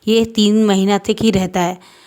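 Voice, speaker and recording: A jealous young female werewolf, played by a woman narrator, threatening a rival with flat, even menace. Her voice sits at an ordinary pitch with little rise and fall. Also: measured pace, clear, resonant tone, close to an everyday voice. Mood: defiant.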